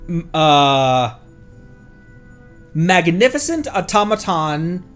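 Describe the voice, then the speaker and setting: Animated male streamer, slow and halting. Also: high voice. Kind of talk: casual livestream commentary on a game.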